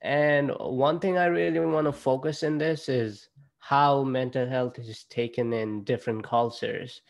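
A young man from Nepal with a Nepali accent, presenting casually to students on a video call through a laptop mic, halting and restarting often. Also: mid-range voice, steady tone, vocal fry. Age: young adult. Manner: halting, with frequent fillers and restarts. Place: indoor room at home. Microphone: laptop webcam on a video call.

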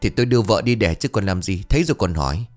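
A man's voice: fairly low pitch, lively intonation, rapid-fire, a little mellow, faint music behind, natural voice. A man voicing a panicky, bumbling young husband who blusters when he is flustered, lifting his voice a little above his own in a told ghost story. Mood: irritated.

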